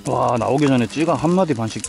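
A man's voice: mid-range voice, quick pace, creaky, over music. A man chatting casually with a friend while fishing outdoors at night, exclaiming often. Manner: excitable, exclaims loudly. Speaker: fishing companion. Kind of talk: casual chat. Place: reservoir bank at night, outdoors.

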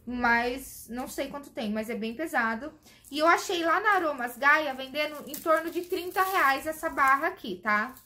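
A high-pitched Brazilian woman chats eagerly to camera, reviewing beauty products. She keeps calling out to her viewers while she tries each one on her hands. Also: normal speed, pushed and bright. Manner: chatty, enthusiastic, addresses viewers as "gente"; demonstrating products while talking. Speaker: beauty vlogger.

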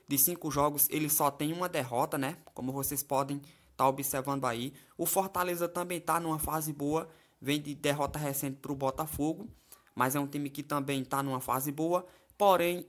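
A man talks through football betting tips as a voice-over on a screen recording. His voice sits a little high for a man, and he keeps it chatty, checking in with his viewers as he goes. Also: a bit bright. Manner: chatty, keeps asking "tá certo?" and "né?". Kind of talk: casual screen-share commentary. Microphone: voice-over over a phone screen.

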